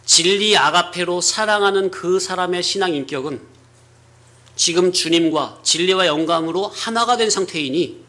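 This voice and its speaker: Pastor preaching, animated, asks the congregation questions, high-pitched man; chuckles often. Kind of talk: sermon.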